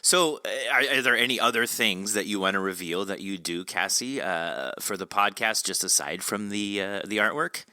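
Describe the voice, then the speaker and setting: Guy hosting a podcast, really bright clear voice, chatty and encouraging. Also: on the low side, expressive, normal speed, few pauses, no room sound, clean studio sound. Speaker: podcast interviewer and team member. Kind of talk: casual podcast interview.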